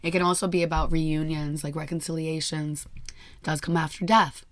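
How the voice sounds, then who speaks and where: A hoarse woman who has nearly lost her voice gives a chatty daily tarot reading into a microphone, laughing often. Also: deep voice, level tone, normal speed, dry recording. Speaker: tarot reader.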